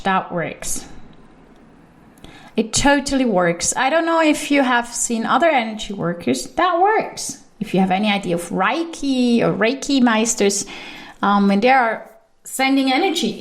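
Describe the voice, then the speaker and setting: In this solo podcast monologue, a Swiss German-accented intuition coach talks animatedly about her work. She leans on sudden upward pitch shifts for emphasis.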